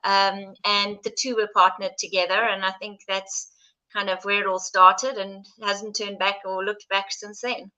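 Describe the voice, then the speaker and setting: A woman, a mother, answering radio interview questions in a steady, measured way. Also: medium pitch, rough recording. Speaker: guest, mother.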